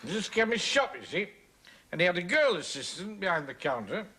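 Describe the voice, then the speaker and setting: Playing a cheeky, taunting, boozy black-sheep brother who is a commercial traveller and laughs at his own jokes, an actor in 1970s sitcom style uses an exaggerated voice. It is high, very animated and fairly quick, with a bright, forceful tone and a breathy edge.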